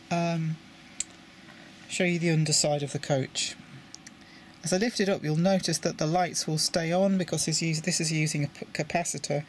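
British man giving a halting hobby tutorial. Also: a little high, slight background noise. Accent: British English. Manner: halting, repeats words while handling parts. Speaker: model railway hobbyist. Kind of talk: casual hands-on tutorial. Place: indoors at a table with a model railway.

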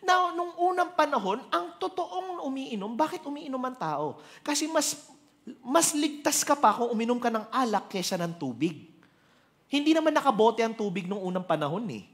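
Delivering a sermon in a Filipino accent, this man tells animated stories while moving back and forth between Tagalog and English. His pitch is extremely high and his speed normal.

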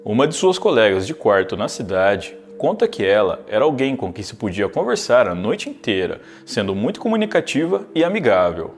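A man's voice: lowish voice, sing-song, moderate pace, hardly any pauses. A man, narrating a true crime case in a scripted, storytelling way as a video host. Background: faint background music.

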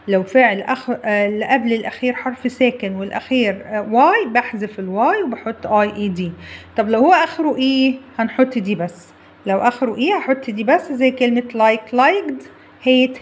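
A young adult woman with an Egyptian Arabic accent teaching an online English grammar lesson, explaining step by step and repeating key words slowly. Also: a little high, expressive.

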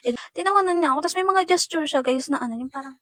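A woman speaks straight to her viewers about an ordeal in an emotional first-person account, her voice sitting a little high. She talks in uneven bursts and keeps calling them guys. The sound is dry and close, with no room around it. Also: rapid-fire, a bit bright, no echo. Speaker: netizen recounting an incident.

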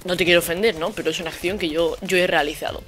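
Young Spanish gamer mocking hater comments. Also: male voice, fairly high pitch, steady tone, racing, a bit bright, soft background music. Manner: mocking, repeats insults with sarcasm. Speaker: gaming youtuber. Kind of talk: casual commentary over gameplay.

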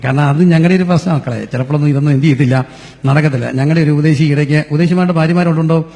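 Fast-talking preacher in a reverberant hall. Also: male voice, fairly high pitch, vocal fry, dark tone. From Kerala. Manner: storytelling, playful, addresses the crowd as children. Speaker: pastor. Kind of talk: sermon. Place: church or convention hall.

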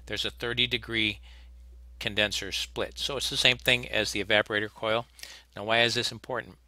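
A man's voice: fairly low pitch, level tone, fairly quick, bright, forceful tone, dry recording. A man teaching HVAC technicians in a recorded slide lecture, plainspoken and practical, often restarting his sentences. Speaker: HVAC instructor.

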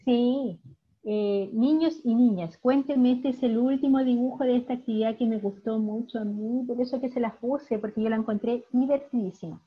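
A Chilean woman teaches children over a video call, her voice slightly high with a husky edge. She praises each answer warmly and explains things patiently. The audio is dull and lo-fi. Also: moderate pace. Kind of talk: online class teaching.

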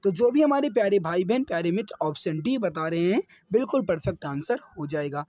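A male exam coach speaks in a slightly hoarse voice. He explains quiz answers with frequent repetition and familiar address to his viewers. The sound is dry, with very little room in it. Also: high-pitched, animated, a little fast, darkish tone, no room sound. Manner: repetitive, addresses viewers as dear brothers and friends. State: slightly hoarse, sore throat.

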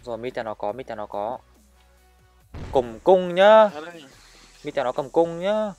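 A man giving live commentary over his own shooter match, excitably calling out enemies and urging his teammates on. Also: medium pitch, brisk, faint music behind. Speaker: gaming channel host.

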